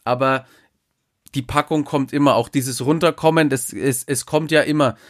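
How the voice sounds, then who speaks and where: A man in casual conversation, speaking haltingly and reflectively about his past. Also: mid-range voice, steady tone. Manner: halting, with many fillers and restarts, reflective. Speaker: former drug user sharing experience.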